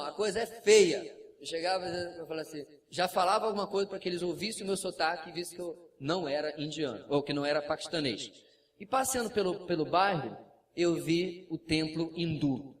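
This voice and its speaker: A Brazilian man with a Brazilian Portuguese accent preaching a lively sermon in a church, with asides and acted quotes. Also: high voice. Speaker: pastor. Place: church sanctuary. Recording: distant mic, faint room noise.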